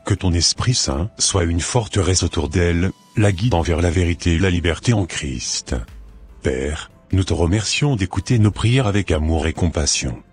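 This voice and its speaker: A devout Christian man in a cartoon , played by a male actor, speaks with a deep, rough-edged voice. The delivery is scripted, solemn and earnest, with soft music underneath. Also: animated, moderate pace. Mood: solemn prayer. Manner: formal, solemn prayer delivery.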